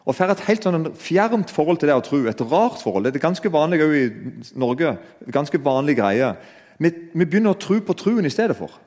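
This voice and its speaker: A man with a slightly high, darkish, very animated voice preaches a sermon in a conversational style, speaking directly to his listeners. The recording carries a long hall reverb.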